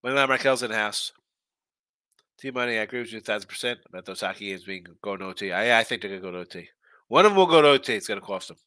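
A man's voice: lowish voice, animated, racing, pushed and bright, no room sound. Congested, stuffy-nosed male betting host. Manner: chatty and loose, with frequent restarts and asides. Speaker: sports betting show host. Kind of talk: casual live-stream chat reading viewer comments.

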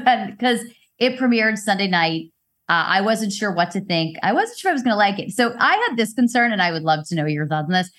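A woman's voice: mid-range voice, very animated, brisk, a bit bright. Playful woman podcast host. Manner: playful, laughing, teasing. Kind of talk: casual chat.

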